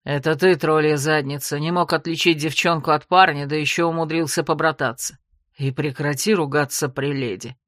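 A woman voicing a sardonic young nobleman with a low, velvety voice, scolding his younger brother in a storybook reading. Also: fairly even intonation, normal speed, a bit bright, no echo, studio quality. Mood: contemptuous. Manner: biting, sarcastic.

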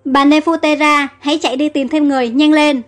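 A woman voicing a loyal palace servant who shouts in alarm. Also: sits high, fairly even intonation, fairly quick, faint music behind, close to an everyday voice. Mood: urgent.

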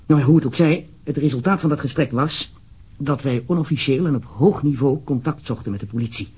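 A man's voice: mid-range voice, a little fast, darkish tone, husky. A man with a Netherlands Dutch accent playing an uneasy, formal government official in a radio drama, wordy and hesitant. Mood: formal, displeased.

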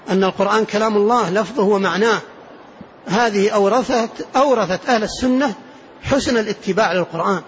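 A sheikh with a rather high voice gives a religious lesson on a classical text. He speaks in a measured way and repeats his main points. The recording is muffled and lo-fi, with a faint hiss underneath. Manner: deliberate, repeats key phrases for emphasis. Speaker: sheikh teaching a creed text.

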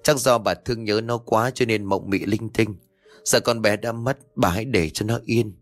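A man voicing a level-headed middle-aged mother who doesn't believe in ghosts, talking in a brisk, matter-of-fact way. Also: fairly low pitch, close to an everyday voice. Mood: soothing.

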